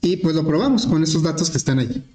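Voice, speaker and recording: A male teacher explaining an algorithm step by step in a relaxed lesson, with frequent fillers. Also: on the high side, quick pace. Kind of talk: programming lesson. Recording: echoey classroom with faint noise.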